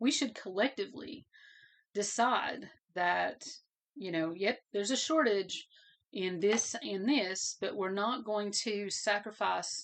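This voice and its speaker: Very slow speech from a woman, medium in pitch, with ordinary pitch variation. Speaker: true crime podcast host. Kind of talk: podcast monologue.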